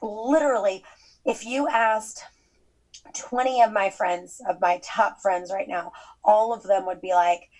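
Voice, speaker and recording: Informal, animated woman guest, mid-pitched. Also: measured pace, rough recording. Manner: animated, informal, acts out quoted exchanges. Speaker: podcast guest, author. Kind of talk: casual conversational storytelling.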